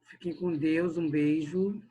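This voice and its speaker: In a fairly high, mellow, husky voice, this man talks slowly and keeps his tone steady. Leading an online literature lesson, he addresses the students directly and keeps checking in with tag questions such as "né?" and "olha só."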